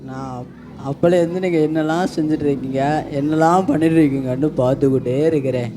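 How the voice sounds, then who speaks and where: A man's voice: on the high side, fairly even intonation, quick pace, close to an everyday voice. A man voicing a firm male office owner in a church puppet show. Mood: stern. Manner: firm, then teaching the children. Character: stern male office owner, fair boss.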